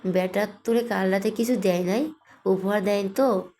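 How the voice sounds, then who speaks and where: A woman's voice: medium pitch, moderate pace, warm tone, slight background noise, close to an everyday voice. Woman voicing a nosy teasing grandmother. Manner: teasing, prodding questions.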